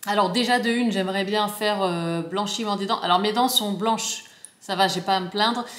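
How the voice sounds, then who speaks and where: A woman talks with fairly even intonation. Noticeable background noise and audible room echo are present. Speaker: lifestyle vlogger. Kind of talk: casual vlog talk to camera. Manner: chatty, many fillers.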